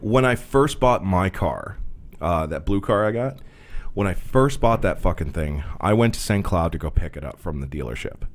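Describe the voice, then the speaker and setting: A man telling a profane, animated story in casual podcast chat. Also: sits low, moderate pace. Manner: animated, profane, laughs a lot. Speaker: podcast host.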